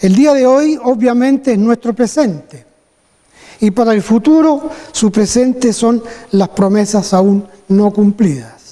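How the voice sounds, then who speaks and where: A man at a high pitch, with ordinary pitch variation and a very slow pace. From Chile, Santiago. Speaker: church elder. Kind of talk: formal talk. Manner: formal.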